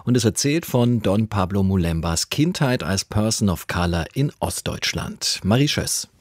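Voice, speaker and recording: A man's voice: fairly low pitch, expressive, moderate pace, no echo, studio quality. A man presenting and announcing on a radio broadcast in a formal manner.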